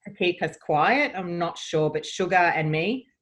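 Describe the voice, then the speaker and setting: A woman's voice: fairly low pitch, animated, measured pace, faint music behind. An Australian woman in her forties, a podcast guest chatting casually and upbeat about her childhood. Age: 40s. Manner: chatty and upbeat, given to reminiscing. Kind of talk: casual interview chat.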